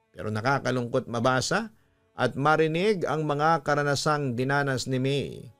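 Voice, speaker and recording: Man narrating over music. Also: medium pitch. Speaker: radio story host and narrator. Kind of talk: scripted narration of a listener's letter and heartfelt advice. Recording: music bed behind the voice. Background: background music.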